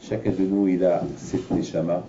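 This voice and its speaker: Very dark-voiced man teaching from afar. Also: sits low, moderate pace. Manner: animated storyteller, acting out voices in his anecdotes. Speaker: rabbi teaching a class. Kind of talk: Torah lesson with personal storytelling. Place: large room at an evening lecture. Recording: dull, lo-fi, from a distance in an echoey room.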